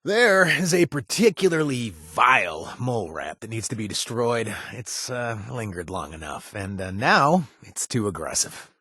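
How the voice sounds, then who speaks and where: An actor playing a wry, sarcastic companion in a video game who hands out kill jobs, stammering and joking. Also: male voice, mid-range voice, a little slow, few pauses, slightly rough, no echo, full character voice. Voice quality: animated, sarcastic delivery with hesitant stammers. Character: wry young man, quest-giving companion, sarcastic and jumpy. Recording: dry studio sound.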